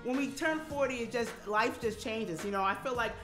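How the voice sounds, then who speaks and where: A woman's voice: fairly high pitch, moderate pace, music in the background. A woman in her forties hosting a radio talk show, chatting casually with many fillers and easy laughs. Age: 40s. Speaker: radio host. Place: radio studio. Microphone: studio microphone.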